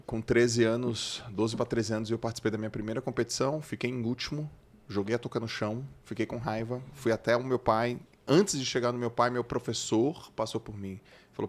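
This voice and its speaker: Brazilian guest, earnest storyteller, mid-pitched male voice. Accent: Brazilian Portuguese. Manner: storytelling, earnest, gives short replies when listening. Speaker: podcast guest. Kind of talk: podcast conversation.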